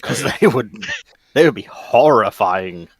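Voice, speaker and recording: Lowish, animated male panelist. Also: measured pace, husky, no echo. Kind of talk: casual chat.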